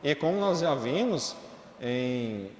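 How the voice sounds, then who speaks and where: A man's voice: medium pitch, very animated, slow, darkish tone. Man, Brazilian Portuguese accent, school teacher, explains step by step, long reverb, echoey classroom. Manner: explains step by step, checks in with "tudo bem, gente?". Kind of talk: online school lesson.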